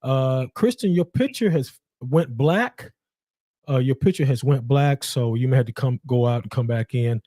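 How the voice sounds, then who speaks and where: A man's voice: medium pitch, normal speed, warm tone, no room sound. A man casually hosting a live boxing call-in show in a rambling, repetitive way. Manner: rambling, repeats himself.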